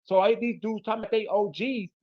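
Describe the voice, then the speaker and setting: A man's voice: high-pitched, fast talker, no echo, lo-fi sound. A man from Chicago with a Chicago accent, a guest in an interview who talks bluntly and emphatically in street slang. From Chicago, USA. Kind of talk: casual interview talk.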